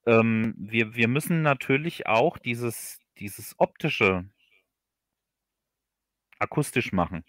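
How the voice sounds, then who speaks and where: A man in an unscripted interview, speaking haltingly and often repeating words as he looks for phrasing. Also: medium pitch, expressive, a bit bright, no echo, clean studio sound. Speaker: author being interviewed on a livestream.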